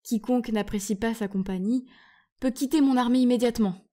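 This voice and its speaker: A woman's voice: fairly high pitch, brisk, warm tone, close to an everyday voice. A woman voicing a young male king giving orders in a storybook reading. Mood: commanding. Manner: commanding, proclaiming.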